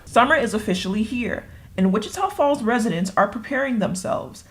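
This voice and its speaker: A woman's voice: fairly high pitch, lively intonation, brisk, breathy edge. A woman in her twenties delivering scripted local news reports as a student reporter. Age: 20s. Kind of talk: scripted news package narration and stand-ups.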